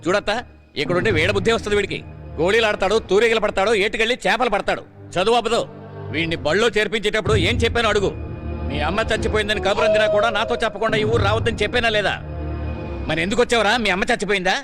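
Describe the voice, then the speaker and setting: A man's voice: high-pitched, racing, loud music behind the voice, lightly acted. An actor playing a strict, domineering middle-aged father who scolds and commands, over a film score. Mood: scolding. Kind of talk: dubbed film drama dialogue.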